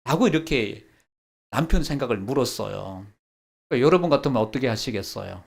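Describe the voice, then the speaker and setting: A man's voice: medium pitch, fairly quick, creaky. A man preaching a sermon as pastor, acting out quoted lines and leading the congregation through practice. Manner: lively, acts out quoted dialogue, leads the congregation in practice.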